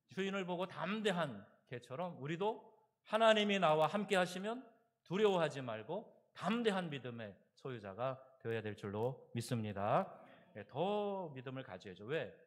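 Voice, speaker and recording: A man in his thirties preaching a sermon as pastor, swinging between loud exhortation and quiet asides. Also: a little high, expressive, normal speed. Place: church sanctuary.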